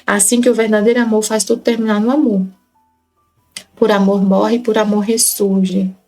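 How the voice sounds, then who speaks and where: Brazilian woman, mid-pitched, leads a Catholic study group, reads and explains devotional text with earnest repetition, faint music behind. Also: level tone, normal speed, darkish tone, low-quality recording. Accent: Brazilian Portuguese. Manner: earnest, repeats phrases to stress them. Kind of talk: reading and explaining devotional texts.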